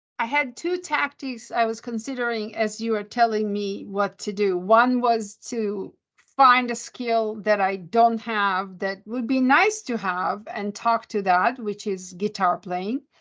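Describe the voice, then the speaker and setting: Speaking at a fairly slow pace, a woman with a fairly high pitch talks with a non-native accent. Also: ordinary pitch variation, hardly any pauses. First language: not English. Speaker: workshop attendee. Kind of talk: casual discussion.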